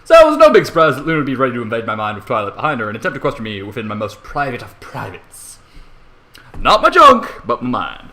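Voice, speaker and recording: Animated, bright-voiced man reading a comic story. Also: mid-range voice. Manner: theatrical, irreverent, sweary, with joking asides. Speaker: amateur fan fiction reader. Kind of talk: animated comedic story narration.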